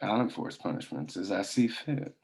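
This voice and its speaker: A man's voice: on the low side, animated, normal speed, vocal fry, a little mellow. Man reading stern, domineering boss. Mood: commanding. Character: stern, domineering mine boss and demanding father. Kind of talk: script table read.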